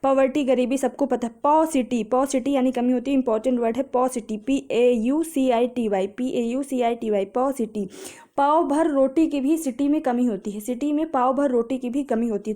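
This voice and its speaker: High-voiced woman teaching vocabulary. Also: dark tone. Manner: explains patiently with memory tricks, asks and answers own questions; reads English phrases slowly. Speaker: exam prep teacher. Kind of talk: vocabulary lesson.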